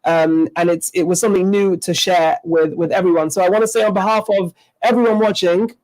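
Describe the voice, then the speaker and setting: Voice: mid-range voice, fairly even intonation, brisk, a little mellow, poor audio. A co-host wrapping up an interview in a chatty, joking way with a few stammers. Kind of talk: conversational wrap-up.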